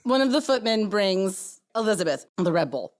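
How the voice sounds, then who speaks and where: A woman's voice: medium pitch, very animated, moderate pace, slight background noise. A woman improvising casual narration as a player in a tabletop role-playing game.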